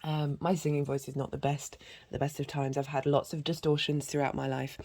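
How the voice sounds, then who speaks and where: A woman with a croaky voice giving a channelled astrology reading, talking in a gentle, flowing, spiritual way with frequent ums. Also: sits low, little pitch movement, a little fast. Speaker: astrology and tarot reader.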